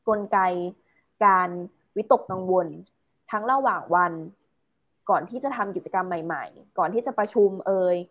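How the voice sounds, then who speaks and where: A woman talks through an idea in a relaxed conversational way. Her voice sits at a middle pitch. She pauses with fillers and drops in English words. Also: husky, dull audio. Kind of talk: casual explanatory chat.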